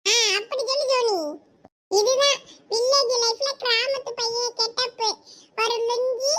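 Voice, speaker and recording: A woman playing a high, bright boastful village lad. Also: fairly even intonation, unhurried. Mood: cocky. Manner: cheeky, show-off, mock-offended. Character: boastful village young man in a lungi. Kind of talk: comic skit acting.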